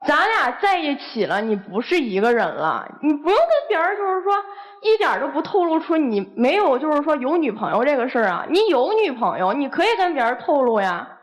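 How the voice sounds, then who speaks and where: A woman's voice: high voice, big pitch swings, fairly quick. A young woman, a guest airing heated, accusing complaints about her boyfriend. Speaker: guest on dating show.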